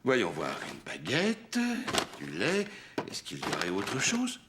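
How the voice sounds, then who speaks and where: A man playing a kindly, forgetful old grandfather in a children's cartoon, talking gently and patiently. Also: lowish voice, wildly swooping pitch, takes it slowly, noisy background, heavily acted. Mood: gentle, patient. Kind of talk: French children's cartoon acting.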